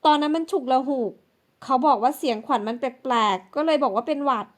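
A woman voicing a gentle, timid young woman who speaks politely and apologetically. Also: sits high, fast talker, lightly acted. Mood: meek, polite.

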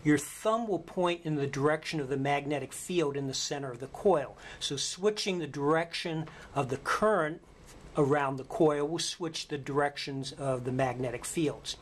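A middle-aged man narrating an instructional demonstration as a lecturer, in a measured, explanatory way. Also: on the high side. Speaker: physics lecturer. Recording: faint background noise.

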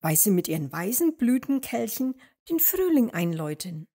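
A woman voicing an excitable, cheerful young male hare in a storybook tale, exclaiming with enthusiasm. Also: mid-range voice, moderate pace. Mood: delighted.

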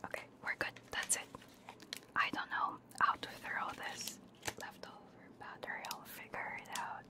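A woman streaming ASMR, chatting casually in a soft, hushed, breathy whisper close to a binaural microphone while sick with a cold. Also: normal speed. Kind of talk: ASMR, casual livestream chat. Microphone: close binaural ear microphone.

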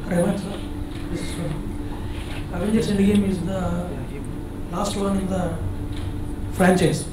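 A man's voice: high-pitched, little pitch movement, slow pace. A man putting a question as a reporter at a press conference. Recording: very echoey hall, distant, noisy.

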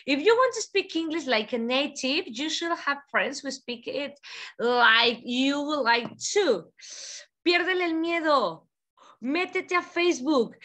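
High bright-voiced woman teacher. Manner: lively and encouraging, mixes Spanish with English examples. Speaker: English teacher. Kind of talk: casual teaching talk.

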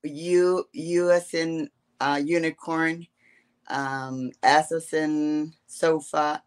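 Slow, hesitant Guatemalan woman. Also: deep voice, fairly even intonation, clean tone. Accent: Guatemalan Spanish. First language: Spanish. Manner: halting, hesitant, many fillers. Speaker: guest. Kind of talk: casual interview answers. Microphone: video call.

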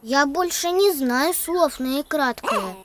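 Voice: high-pitched, takes it slowly, background noise. A child voicing a caring, helpful pupil in a children's cartoon. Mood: helpful, concerned.

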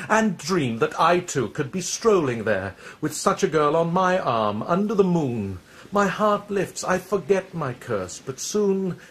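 A man acts a lovesick, proud poet-swordsman in a verse radio play. His voice sits slightly high. He speaks with theatrical eloquence and mocks himself lyrically. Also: close to an everyday voice. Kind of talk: verse radio drama acting.

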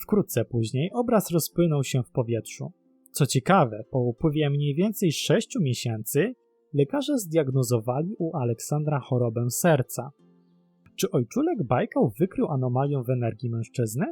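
A man's voice: mid-range voice, big pitch swings, normal speed, mellow, slightly rough, dry recording, soft background music. A man narrating a scripted mystery documentary in a dramatic storytelling manner. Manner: dramatic, posing rhetorical questions. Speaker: narrator and host of a mystery series.

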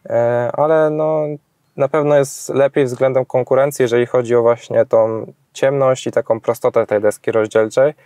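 Even-toned man reviewing his car. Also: medium pitch, moderate pace, dry recording, clean studio sound. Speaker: car owner giving a review. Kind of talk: casual unscripted car review.

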